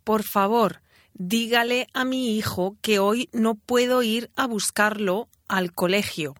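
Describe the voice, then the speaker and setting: A woman's voice: a little high, no room sound, studio quality. A woman playing a mother leaving a voicemail. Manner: slow, clear and deliberate. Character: mother leaving a voicemail for her son's school. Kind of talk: scripted exam listening dialogue.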